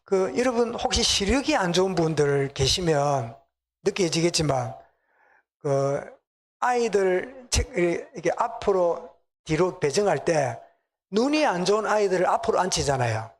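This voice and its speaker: A man's voice: sits high, very animated, unhurried. A middle-aged man with a Gyeongsang accent preaching a sermon in a church, chatting with the congregation and asking them questions. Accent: Gyeongsang Korean. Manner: conversational, asks the congregation questions. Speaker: pastor. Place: church sanctuary.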